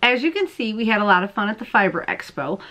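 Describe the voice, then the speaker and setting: A woman's voice: medium pitch, very animated, fast, bright, forceful tone. A woman in her thirties hosting a yarn vlog, chatty and bubbly with frequent laughs. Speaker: yarn vlogger host. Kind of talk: casual chat. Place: busy yarn festival hall, then home studio. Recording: crowd noise at festival.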